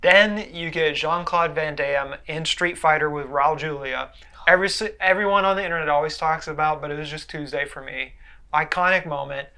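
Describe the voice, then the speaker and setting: Male co-host, casual conversational delivery, slightly high pitch, bright forceful tone. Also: normal speed. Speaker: show co-host. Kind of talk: casual chat about video game movies.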